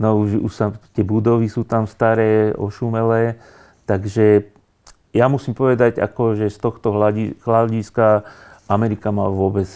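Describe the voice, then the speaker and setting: This man's fairly low voice has a dark, mellow tone and flat, monotone intonation. He speaks at a fairly slow pace with long, frequent pauses. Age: 50s. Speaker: musician and cimbalom player. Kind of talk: interview.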